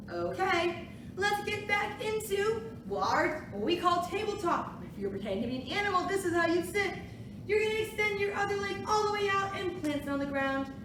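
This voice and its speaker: A woman hosting a children's storytime, talking as if reading to a toddler, in simple phrases with exclamations and playful asides. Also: very high voice. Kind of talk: reading to young children, sing-song picture-book reading and simple instructions. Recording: roomy, noisy, distant microphone.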